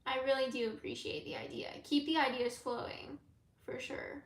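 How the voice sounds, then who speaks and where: A woman who reads tarot, chatting with viewers in a live question-and-answer stream. She rambles in a laid-back way and fills pauses with ums and likes. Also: high voice, fairly even intonation. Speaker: tarot reader and YouTuber. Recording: echoey room.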